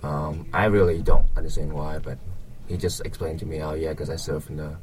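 A young man from Vietnam with a Vietnamese accent, answering interview questions casually in a hesitant, halting way. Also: rumbling low, fairly even intonation, a little hiss or hum.

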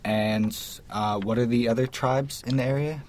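Casual male interviewer, medium pitch. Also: fairly even intonation, normal speed, darkish tone. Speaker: interview host.

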